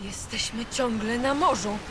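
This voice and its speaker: A curious, determined female space traveller, played by an actress in a radio drama. She speaks in a fairly high voice with a searching, wondering manner. Loud ambient noise surrounds her. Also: a little slow, lightly acted. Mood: anxious.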